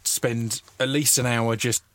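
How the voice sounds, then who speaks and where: A man's voice: mid-range voice, little pitch movement, unhurried, a bit bright. A man hosting a casual chat, easygoing, stumbling over words and laughing along. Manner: easygoing, many restarts and stammers, laughs along.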